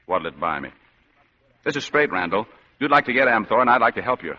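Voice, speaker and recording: A man's voice: mid-range voice, big pitch swings, brisk, sharp tone, slightly rough, heavily acted. An actor playing a hard-boiled male private eye with dry wisecracks and tough slang, in 1940s radio acting. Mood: wry. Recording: dull lo-fi old radio broadcast.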